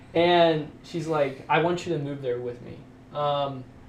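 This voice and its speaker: A man with an American accent speaks in a fairly high voice with fairly even intonation, and the room echo is audible. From US Midwest. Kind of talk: interview. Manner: halting.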